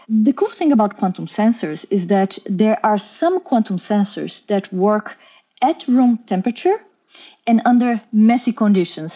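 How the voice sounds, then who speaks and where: A woman's voice: medium pitch, mellow, dull audio. A woman in her thirties from Brazil, with a Brazilian Portuguese accent, explaining her research carefully as a podcast guest. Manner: careful, explanatory, with occasional restarts. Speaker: guest scientist.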